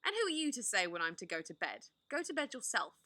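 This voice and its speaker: A woman's voice: mid-range voice, sing-song, quick pace, sharp tone, no echo. A woman voicing a bad-tempered, tired younger boy in a storybook reading. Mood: grumpy.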